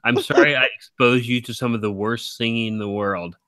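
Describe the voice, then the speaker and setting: A man hosting a live stream, talking in a rambling, teasing way with a deep baritone voice, very tired. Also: steady tone, a little fast, pushed and bright. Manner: rambling, teasing, laughs often. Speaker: stream host. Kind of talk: casual chat.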